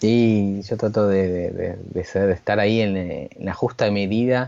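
This man has a fairly low pitch with ordinary variation. He speaks at a fairly slow pace. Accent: Rioplatense. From Argentina. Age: 40s. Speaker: school counselor and parenting workshop leader. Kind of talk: interview conversation. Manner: halting, many repetitions.

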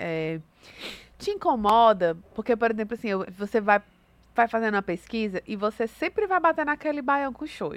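At a moderate pace, a woman with a fairly high voice swings very widely in pitch, heard dry and close with no echo over a quiet background. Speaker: podcast co-host. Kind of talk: casual interview.

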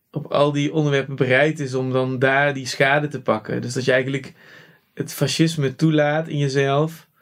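At a moderate pace, the speech comes out in monotone, flat intonation. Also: man. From Netherlands, North Brabant. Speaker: podcast host. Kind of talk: casual interview chat. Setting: studio.

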